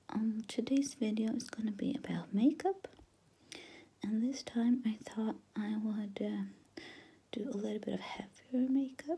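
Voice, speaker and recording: Whispering and soft-spoken, a woman talks in a gentle, soothing tone at a fairly slow pace. Long, frequent pauses break up her speech. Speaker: ASMR makeup artist. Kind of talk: asmr whisper roleplay, makeup application. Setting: video to camera. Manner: soft-spoken, slow, gentle whisper; soothing, calm, hushed, with hesitant fillers. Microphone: phone near.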